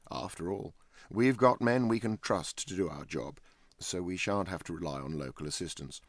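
A man voicing a calm, offhand young man who talks of dreadful things in a careless, deadpan way. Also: low-pitched, normal speed, dry recording.

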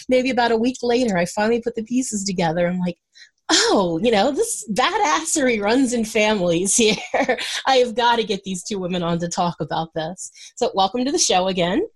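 A woman hosting an interview podcast, speaking with a scratchy, hoarse voice from a cold and an upbeat, enthusiastic manner. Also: on the high side, no room sound. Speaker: podcast host. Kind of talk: conversational interview.

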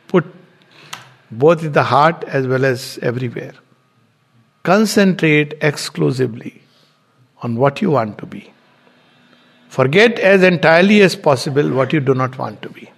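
A man's voice: on the high side, vocal fry. A middle-aged man giving an earnest spiritual talk, repeating words for stress. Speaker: spiritual lecturer.

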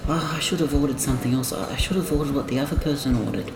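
A man's voice: mid-range voice, fairly even intonation, over music, lightly acted. A man playing an anxious autistic man, stammering and repeating himself in a fretful inner monologue in an audio drama. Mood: panicked. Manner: stammering, halting, repetitive, fretful. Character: anxious autistic man spiralling over a coffee order. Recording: noisy, echoing room sound.

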